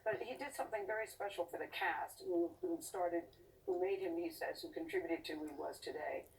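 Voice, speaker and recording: A woman's voice: on the low side, brisk, gravelly. A woman TV interviewer and correspondent, moving between scripted report lines and chatty questions. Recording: distant mic with faint ambient noise.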